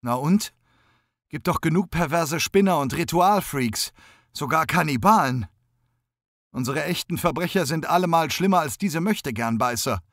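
A man doing a brisk young policewoman. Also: a little high, animated, fairly bright tone, no room sound, studio quality, pitched above the performer's own voice. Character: young female police officer, brisk and sober.

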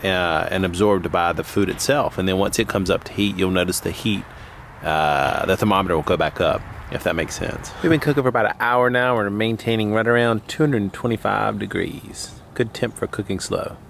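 A man in his thirties hosting a casual how-to vlog outdoors in a backyard, chatting in a loose, relaxed way with restarts. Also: on the low side, moderate pace, gravelly, distant mic. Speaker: host. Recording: outdoor noise behind.

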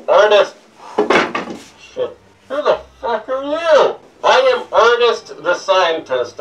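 A man's voice: high-pitched, fairly bright tone, slight background noise. A young man hosting a comedic review, talking through a gas mask, stammering, swearing and rambling. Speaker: host. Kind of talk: comedic snus review and sketch. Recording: distant, roomy, lo-fi with music.

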